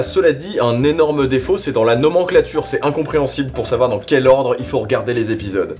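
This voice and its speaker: A man's voice: fairly high pitch, darkish tone. A man giving a slangy, casual spoken review, rambling conversationally and repeating himself for emphasis. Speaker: reviewer presenting audio series.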